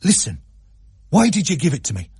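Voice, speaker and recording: A man's voice: a little high, wildly swooping pitch, brisk, darkish tone, slightly rough, no echo, studio quality, voice pushed up, full character voice. A man voicing an anxious, eager schoolboy who talks breathlessly and pleads. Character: anxious young schoolboy, the storyteller as a child.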